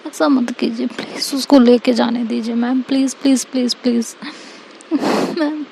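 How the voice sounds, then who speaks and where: Brief: woman reading as a desperate teen schoolgirl, high and mellow, pleading over and over, faint hiss. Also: fairly even intonation, takes it slowly, gravelly, full character voice. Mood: panicked pleading. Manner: pleading, repeats please and ma'am.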